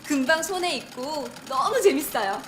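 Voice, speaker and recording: A woman gives a customer testimonial for an infomercial. Her voice is a little high, and faint music plays behind her. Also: expressive, moderate pace, a bit bright.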